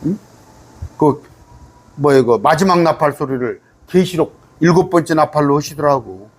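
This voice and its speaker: A middle-aged man, a pastor, giving a conversational bible study sermon, asking his listeners rhetorical questions and reading scripture aloud slowly. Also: a little high, husky. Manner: reads scripture aloud slowly, sometimes singing it.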